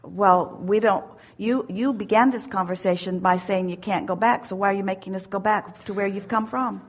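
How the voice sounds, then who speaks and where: A woman giving a spiritual teaching at a seminar, speaking as "we" in an emphatic, drawn-out way. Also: medium pitch. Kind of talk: channeled teaching in first person plural.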